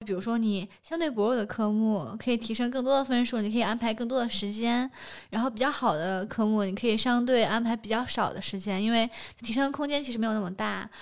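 In a very clean recording with a silent background, a woman with a plain, everyday voice talks at a fairly quick pace in a fairly high pitch. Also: ordinary pitch variation. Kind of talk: casual chat.

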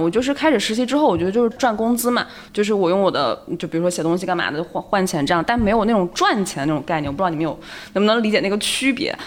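A woman speaks at a very fast pace and medium pitch with lively intonation. Noticeable background noise runs underneath. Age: 20s. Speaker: podcast panelist on career break. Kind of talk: casual chat.

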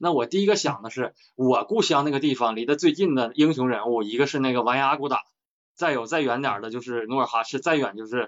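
A man speaks at a fairly quick pace. His pitch is medium with ordinary variation. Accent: Heilongjiang. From northeast China. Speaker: listener asking questions. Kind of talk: casual chat.

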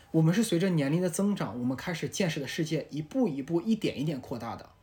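A man's very fast, fairly high-pitched delivery with lively intonation. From Shanxi, Taiyuan (northern China). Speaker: podcast co-host. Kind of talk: casual chat.

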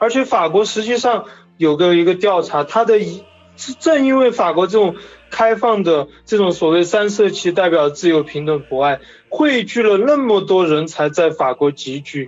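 Over music in the background, a man with a high pitch talks at a moderate pace with lively intonation. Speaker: football fan. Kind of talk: casual interview chat.

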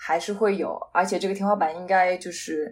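A woman speaks at a moderate pace. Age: 20s. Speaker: software engineer. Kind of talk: casual chat.

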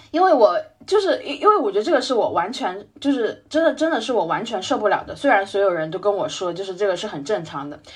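The speech runs at a very fast pace with hardly any pauses. Both loudness and pitch swing widely. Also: woman, fairly high pitch for a woman. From Jiangsu, China. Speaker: podcast guest. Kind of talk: casual conversational interview. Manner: halting, heavy repetition of fillers.

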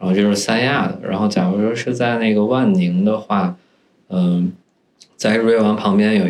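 Fairly even intonation marks this man's plain, everyday voice. He keeps to a moderate pace. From Northeast China. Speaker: company employee sharing travel tips. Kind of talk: casual chat.

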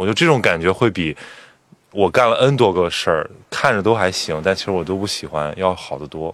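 At a fairly quick pace, a man speaks in a very deep, low pitch with ordinary pitch variation. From Qingdao, Shandong, China. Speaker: podcast host, former journalist. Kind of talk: casual chat.

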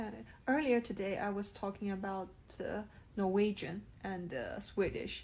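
In a Chinese accent, a woman of medium pitch speaks at a moderate pace, somewhat breathy, with ordinary pitch variation and long, frequent pauses. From eastern China, Hefei, Anhui. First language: Mandarin Chinese. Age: 20s. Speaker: podcast co-host, PhD student. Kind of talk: casual chat.

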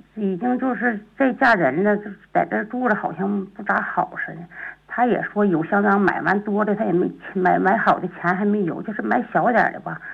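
A woman's medium-pitched voice with vocal fry. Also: ordinary pitch variation, moderate pace. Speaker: caller. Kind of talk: phone-in advice call. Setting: phone call. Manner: halting.

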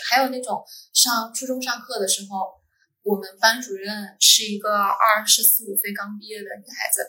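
A woman's fairly high voice at a moderate pace, with ordinary pitch variation and big swings in loudness. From Pingliang, Gansu, China. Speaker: podcast guest. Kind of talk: casual chat. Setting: conference room.

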